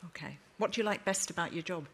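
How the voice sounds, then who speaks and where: Chatty, emphatic woman moderator, lowish voice. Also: fast, background noise. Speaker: conference panel moderator. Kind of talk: informal live moderating.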